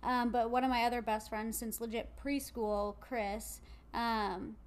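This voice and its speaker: A woman's voice: a little high, steady tone, measured pace. A woman chatting casually in a loose, slangy way, swearing now and then. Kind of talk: casual conversation.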